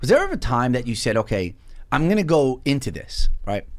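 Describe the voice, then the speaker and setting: This man talks at a fairly quick pace with lively intonation in an ordinary speaking voice. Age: 40s. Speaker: podcast host. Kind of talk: casual interview.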